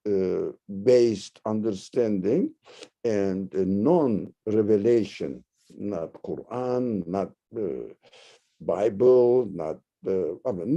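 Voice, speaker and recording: A man from Turkey, teaching religion in a discussion, halting and searching for words, then rising sharply to stress key points. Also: fairly low pitch, warm tone, dull audio. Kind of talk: lecture-style discussion.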